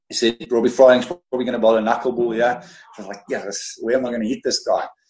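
Over music in the background, a man at medium pitch talks at a very fast pace with fairly even intonation. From South Africa, Free State. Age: 30s. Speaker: professional cricketer. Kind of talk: interview.

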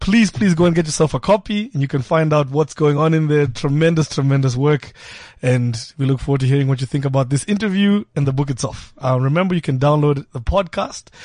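The voice is a man's, somewhat breathy. He talks at a fairly quick pace. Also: fairly high pitch for a man, ordinary pitch variation. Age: young. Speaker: radio host. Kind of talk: radio interview. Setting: studio.

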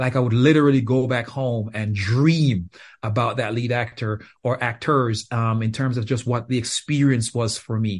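A man, somewhat breathy, medium-pitched with fairly even intonation, at a moderate pace over a quiet background. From Jamaica. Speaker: actor and voiceover artist. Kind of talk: interview. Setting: remote call.

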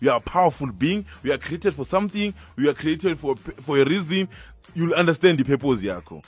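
A man talks at a very fast clip, his intonation lively and his tone animated, with vocal fry. The background is quiet. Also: fairly high pitch for a man. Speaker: radio host. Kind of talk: casual chat. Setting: studio.

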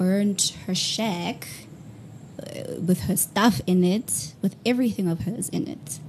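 A woman speaks at a very slow pace with lively intonation. Noticeable background noise can be heard. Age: 30s. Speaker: podcast guest. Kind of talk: casual chat.

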